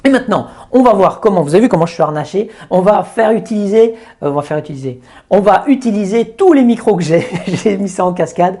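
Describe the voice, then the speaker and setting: A man's voice: fairly high pitch, darkish tone. A man hosting a casual hands-on tutorial, chatting with many fillers and restarts as he shows his equipment. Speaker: video tutorial host. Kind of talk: casual hands-on gear demo.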